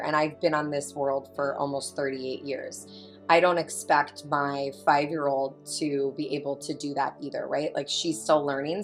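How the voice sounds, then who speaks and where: Low-voiced woman in her thirties. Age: 30s. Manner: candid, animated storytelling with quoted asides. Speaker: podcast guest, mother. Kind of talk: casual chat.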